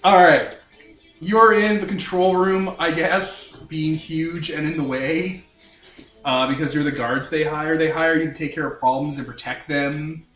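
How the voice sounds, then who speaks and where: A man's voice: on the high side, fairly even intonation, measured pace, fairly bright tone, reverberant, distant mic, soft background music. A man running a tabletop game as game master, setting scenes with wry, jokey narration.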